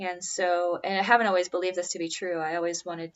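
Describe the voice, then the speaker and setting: The speaker is a woman. Her pitch is fairly low. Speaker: energy healer and meditation guide. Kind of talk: guided meditation talk. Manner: fast; hesitant with fillers.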